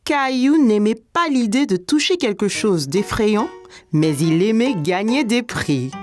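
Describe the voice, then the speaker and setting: A woman playing the gentle narrator of a preschool cartoon, telling the story in a clear, explanatory way. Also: medium pitch, expressive, measured pace, natural voice. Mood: gentle storytelling. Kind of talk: scripted children's story narration. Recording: music behind the narration.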